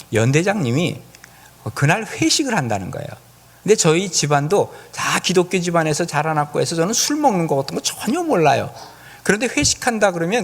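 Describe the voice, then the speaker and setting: A male pastor preaching to a church congregation, telling a personal story with acted-out quotes. His slightly high voice rises and falls dramatically, and he often turns to the listeners with questions. The delivery is vivid and conversational. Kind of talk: sermon.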